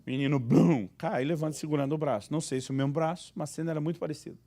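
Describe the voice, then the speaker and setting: A man's voice: on the high side, very fast. A male pastor preaching a humorous sermon, telling anecdotes and acting out the voices in them. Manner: animated, acts out voices in anecdotes.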